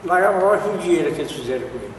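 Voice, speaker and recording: A Brazilian man giving rough, colloquial testimony, recorded at a distance in an echoey place. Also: sits high, lively intonation, very fast. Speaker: witness. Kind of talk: personal testimony. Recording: echoey, distant, noisy outdoor ambience.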